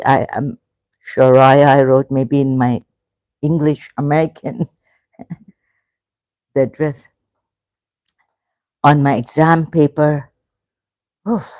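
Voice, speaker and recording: Gravelly, mellow tone, dry close sound, halting emotional solo livestream talk. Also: mid-range voice, no echo. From Pakistan, grew up in Karachi. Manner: halting and emotional, many broken-off phrases. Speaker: online religion commentator.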